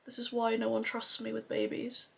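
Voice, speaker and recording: A beauty vlogger doing a makeup tutorial rambles to camera in a casual, playful way, swearing a little and poking fun at herself. Her voice sits on the high side and is gravelly, husky, pushed and bright, yet her delivery is completely flat at a moderate pace.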